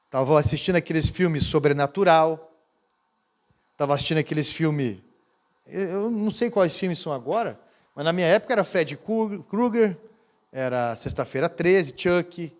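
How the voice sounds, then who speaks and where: A man with a Minas Gerais Brazilian accent, a pastor preaching a sermon, telling stories and building to loud emphatic peaks. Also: on the high side. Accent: Brazilian Portuguese, Minas Gerais. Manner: storytelling, rising to shouts at climaxes.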